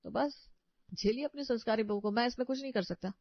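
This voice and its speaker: A man's voice: very high-pitched, quick pace, no room sound. A man voicing a mild, apologetic young husband in a cartoon story, trying to keep the peace. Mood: placating. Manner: apologetic and placating. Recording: dry, slightly dull audio.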